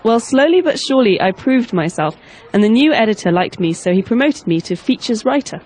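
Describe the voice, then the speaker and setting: A woman's voice: on the high side, very animated, a little fast, a little mellow, poor audio. A woman playing a young job candidate in a scripted dialogue, speaking earnestly about her past job.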